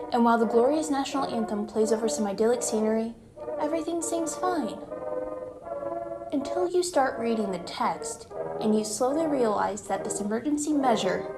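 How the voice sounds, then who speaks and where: Over background music, a woman with a highish voice hosts and narrates a scripted video essay in a conversational style with dramatic emphasis. The recording sounds rough.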